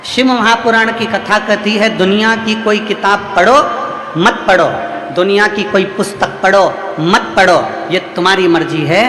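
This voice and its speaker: Male preacher, high voice, rhythmic repetitive sermon, roomy hall with music behind. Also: fairly even intonation, normal speed, sharp tone, slight background noise. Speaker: religious storyteller. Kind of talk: devotional sermon. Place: large hall at a religious gathering.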